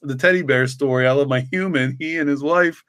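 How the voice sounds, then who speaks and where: A man chatting casually as a story's co-creator, in a halting, rambling way that often repeats words. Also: medium pitch, fairly bright tone. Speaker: co-creator and writer discussing his story. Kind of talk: casual chat.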